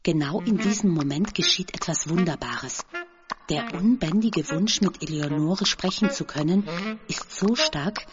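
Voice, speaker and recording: A woman reading a children's story aloud as narrator, in a calm storytelling manner. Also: lowish voice, unhurried, highs cut off, crowd noise.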